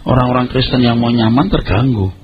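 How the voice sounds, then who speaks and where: A man's voice: mid-range voice, fairly even intonation, fairly quick, noisy background. A middle-aged male pastor preaching a sermon, emphatic and conversational, with colloquial asides to the congregation. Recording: dull lo-fi audio with music behind. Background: background music.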